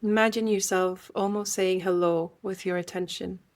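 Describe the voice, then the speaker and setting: Woman doing a guided meditation, gentle and slow-going, mid-pitched voice, lots of pauses. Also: fairly even intonation. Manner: gentle, unhurried, with long pauses.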